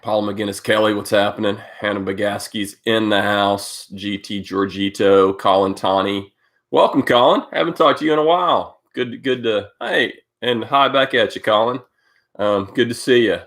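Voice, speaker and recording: A man's voice: fairly low pitch, moderate pace, a bit bright. A man hosting a casual live stream, stuffed up from a cold, rambling with many fillers as he greets viewers by name. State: congested from a cold. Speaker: host of a live cycling update stream.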